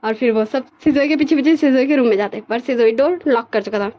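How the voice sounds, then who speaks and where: A woman's voice: high-pitched, fast, dull audio. A woman narrating a fan fiction story casually, often stumbling and repeating words.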